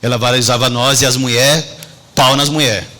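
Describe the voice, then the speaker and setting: A pastor from Brazil preaches with a bright, forceful voice that rises sharply for emphasis and falls to a near hush. His words ring out with a long church-hall reverb. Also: mid-range voice, brisk. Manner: lively, emphatic preaching with sudden drops to a hush. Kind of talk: sermon.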